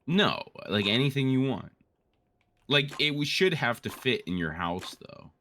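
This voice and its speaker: A man's voice: mid-range voice, very animated, measured pace, pushed and bright, slight background noise. A man co-hosting casual gameplay chat, telling rambling, sweary stories. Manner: rambling, profane storytelling. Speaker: gaming co-host.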